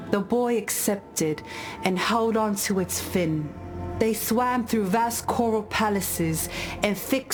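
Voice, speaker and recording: An actress playing a solemn tribal woman who tells ancestral fables in a measured, grave, deliberate way for a video game. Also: medium pitch, natural voice. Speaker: game character storyteller. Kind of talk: scripted storytelling of parables.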